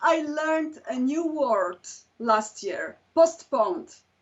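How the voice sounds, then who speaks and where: Her voice sits high for a woman. She uses lively intonation. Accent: Polish. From Poland. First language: Polish. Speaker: metal band singer. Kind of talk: interview.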